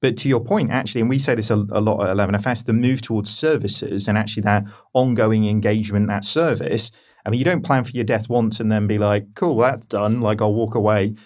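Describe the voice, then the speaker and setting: A man's voice: on the low side, quick pace, darkish tone. A man hosting a podcast in a casual, joking way, full of "I mean" and "like". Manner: chatty, joking, uses fillers like "I mean" and "like". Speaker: podcast host.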